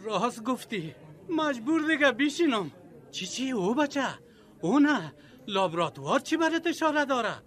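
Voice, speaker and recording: A man's voice: very high voice, sing-song, a bit bright, heavily acted. An Afghan-accented male actor playing a simple, folksy, complaining village patient in a comic radio drama. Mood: resigned.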